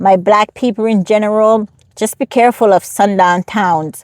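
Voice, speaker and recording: With a Jamaican accent, the speaker talks at a fairly slow pace with ordinary pitch variation, in a dry, close sound with no echo. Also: woman. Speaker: travel vlogger. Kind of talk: casual vlog monologue. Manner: halting, repetitive.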